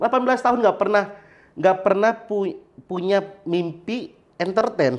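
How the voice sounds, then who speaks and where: At a moderate pace, a man with a high voice speaks with lively intonation and long, frequent pauses. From Makassar, Indonesia, then Jakarta. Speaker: stand-up comedian. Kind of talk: casual interview chat.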